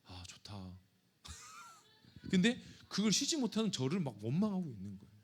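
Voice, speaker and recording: Male pastor, casual sermon, jokes and confessions, fairly high voice, animated pitch. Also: moderate pace, slightly rough. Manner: conversational, joking, confessional. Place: church sanctuary.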